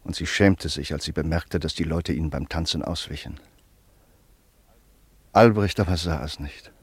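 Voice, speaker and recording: A man narrating a scripted radio play in a sober, measured way. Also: extremely low pitch, slightly rough, no echo.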